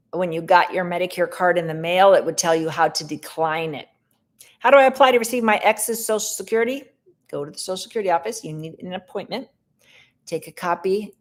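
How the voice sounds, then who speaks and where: A middle-aged woman hosting a casual live Q&A, answering viewer questions in a brisk, direct way. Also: medium pitch.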